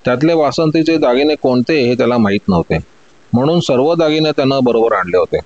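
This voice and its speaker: A man narrating a story in a steady, measured scripted delivery. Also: mid-range voice, no echo, muffled recording.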